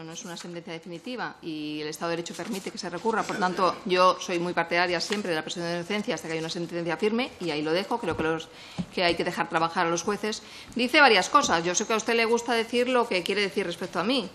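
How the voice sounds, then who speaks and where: A woman testifying as a witness in a parliamentary committee hearing, measured and composed, speaking into a desk microphone. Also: lowish voice, fairly bright tone, slight background noise. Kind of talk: formal testimony.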